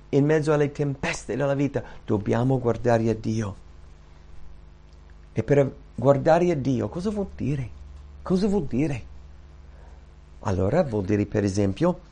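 Animated man preaching a sermon. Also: mid-range voice, vocal fry. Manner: animated storytelling, acting out Bible scenes; repeats phrases for emphasis.

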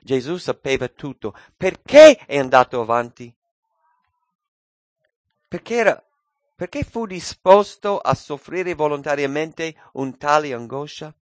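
A man preaching a sermon, swinging between loud, raised cries and hushed, low phrases. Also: lively intonation, unhurried, no room sound.

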